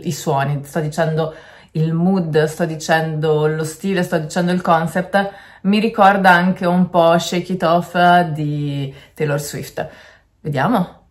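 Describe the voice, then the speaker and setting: A young Italian woman reacting to a music video, gushing, stammering and singing along. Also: on the low side. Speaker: kpop reaction youtuber. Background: music playing.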